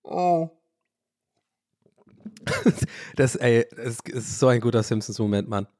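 A man hosting a casual solo podcast, talking in a rambling, animated way, restarting his sentences and often breaking into laughter. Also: mid-range voice, fairly quick, no echo, clean studio sound. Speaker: podcast host.

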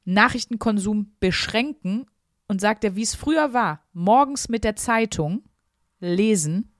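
A woman's voice: mid-range voice, animated, measured pace, dry recording, clean studio sound. A woman co-hosting a podcast, talking through her thoughts in an earnest, chatty way with many fillers. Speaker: podcast co-host. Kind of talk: casual podcast chat.

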